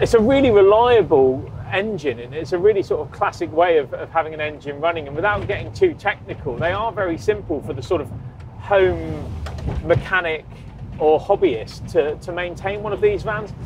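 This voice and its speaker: Amid noticeable background noise, a man speaks at a moderate pace with big swings in loudness, in a dry sound with no echo. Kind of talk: interview answer. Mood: relaxed, enthusiastic. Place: car.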